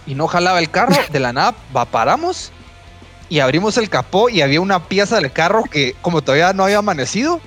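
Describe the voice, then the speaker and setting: A man telling a road-trip story on a podcast, animated and profane. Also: high-pitched, fast, soft background music. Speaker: podcast host. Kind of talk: casual storytelling chat.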